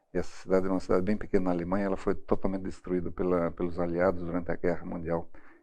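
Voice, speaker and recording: This man talks at a very fast pace with hardly any pauses. His very deep, low voice has a dark, mellow tone and a monotone, flat intonation. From Brazil (Curitiba), born in Germany. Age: 70s. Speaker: executive recruiter. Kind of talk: interview testimony. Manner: halting, with self-corrections.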